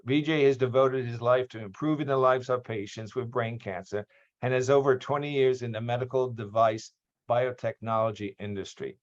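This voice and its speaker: A man from Australia, hosting a lecture series over a video call, reads out a guest's introduction. He halts often with ums and restarts. His mid-pitched voice comes through dull and lo-fi. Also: steady tone, normal speed. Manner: hesitant, many ums and restarts. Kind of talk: formal speaker introduction.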